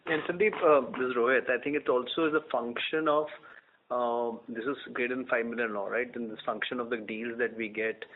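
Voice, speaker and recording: Man, medium pitch, phone-like sound, finance executive, earnings call, frequent checking tags. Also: steady tone, fairly quick, slight background noise. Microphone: conference call line. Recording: tinny conference phone line.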